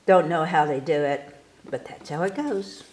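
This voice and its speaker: A woman reading a rhyming picture book aloud to children in an expressive, theatrical way, stretching key words for emphasis. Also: low-pitched, moderate pace, a little hiss or hum. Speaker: story time reader.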